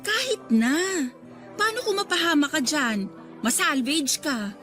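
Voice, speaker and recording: An actress playing an exasperated, protective best friend in a radio drama, with a Filipino accent and scolding, probing questions. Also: female voice, high voice, sing-song, measured pace, a bit bright, heavily acted. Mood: worried scolding. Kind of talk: Tagalog radio drama acting. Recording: music faintly underneath.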